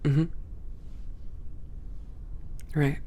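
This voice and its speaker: A performer playing a friendly, composed female hangar supervisor in an ASMR roleplay, speaking in a measured, welcoming and professional way. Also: dark tone, natural voice. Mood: reassuring, instructive. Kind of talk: ASMR roleplay, one-sided conversation.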